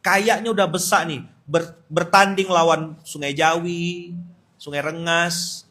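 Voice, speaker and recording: A man's voice: a little high, steady tone, unhurried, sharp tone. A man preaching to a gathering, telling a funny story and acting out the voices in it. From Pontianak, Indonesia. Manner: humorous, acts out quoted voices, laughs often. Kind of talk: storytelling sermon.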